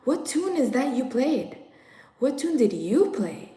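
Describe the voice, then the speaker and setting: A woman's voice: high voice, sing-song, slow, dark tone, voice pushed up, full character voice. A woman voicing anxious, bewildered Martian townsfolk in a story reading, with urgent questioning. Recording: roomy, echoing room sound.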